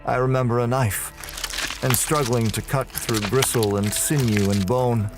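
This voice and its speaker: An actor playing a tormented, damned murderer, delivering a brooding first-person horror audio drama monologue. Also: male voice, medium pitch, fairly even intonation, unhurried, natural voice. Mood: cold, brooding. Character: damned male murderer prisoner, tormented, confessing in hell. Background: music.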